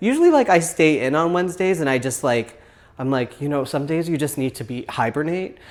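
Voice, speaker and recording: A man speaks at a fairly quick pace in a fairly high pitch with ordinary pitch variation. The recording is very clean, with a silent background. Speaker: YouTube craft vlogger. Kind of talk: casual vlog Q and A. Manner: frantic, chaotic; halting, filler-heavy.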